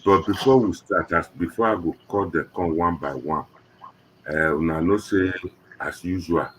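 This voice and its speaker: A man's voice: extremely low pitch, fairly bright tone, slight background noise, rough recording. A man with a Nigerian accent hosting an online panel show in Nigerian Pidgin, talking to viewers in a casual, rambling, conversational way.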